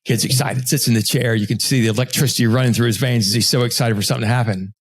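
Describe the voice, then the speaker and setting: A man's voice: medium pitch, fairly even intonation, racing. A middle-aged man hosting a podcast, telling a story in a loose, conversational way with plenty of swearing. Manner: profane, conversational. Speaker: podcast host. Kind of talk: casual storytelling.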